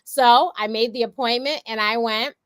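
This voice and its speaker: A woman's voice: on the high side, steady tone, normal speed, a bit bright, no room sound. A woman in her forties hosting a talk show, who tells a story with animation and acts out her own quotes. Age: 40s. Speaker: host. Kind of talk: casual talk show chat.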